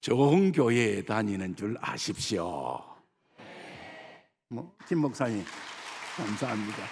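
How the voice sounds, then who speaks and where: In a strong Gyeongsang accent, the speaker goes at a very slow pace with long, frequent pauses and very wide pitch swings. Crowd noise runs in the background. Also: man, medium pitch for a man. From Gyeongsang province, Korea. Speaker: visiting pastor, prison ministry. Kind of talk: sermon. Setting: church.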